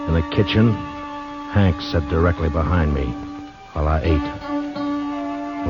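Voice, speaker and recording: Lead: a low-voiced, steady lawman narrating a western, old muffled radio broadcast with music underneath. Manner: calm, wry, measured. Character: steady frontier marshal, grown man, calm and dry. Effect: old 1950s radio broadcast recording. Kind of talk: 1950s radio drama acting and narration.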